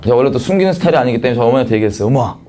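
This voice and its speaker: A man's voice: mid-range voice, expressive, rapid-fire, mellow. A man giving a missionary testimony sermon, telling his story in a frank, colloquial way and acting out the voices he quotes. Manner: frank, colloquial, self-mocking.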